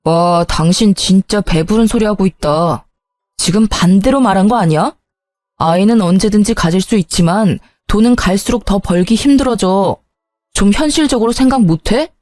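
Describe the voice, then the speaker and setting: A woman's voice: medium pitch, moderate pace, darkish tone, dry recording, soft background music, natural voice. A woman voicing an irritable young husband who brushes things off and scolds. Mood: scolding. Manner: curt and scolding, then sheepish.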